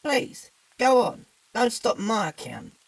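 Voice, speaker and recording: A man voicing a flippant male demon with a high, thick British accent. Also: sing-song, slow, creaky, dry recording, full character voice. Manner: offhand, chatty.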